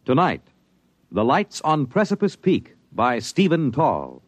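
A man's voice: mid-range voice, huge pitch swings, takes it slowly. A male announcer opening a radio drama in a dramatic, declamatory manner. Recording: dull lo-fi 1950s radio recording. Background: music.

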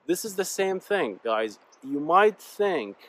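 A man's voice: a little high, big pitch swings, slow, a bit bright, no room sound. A man whose first language is Arabic, speaking English in a casual, earnest, rambling motivational monologue to his viewers. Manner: rambling, earnest, often addresses listeners as "guys". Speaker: YouTuber and podcast host.

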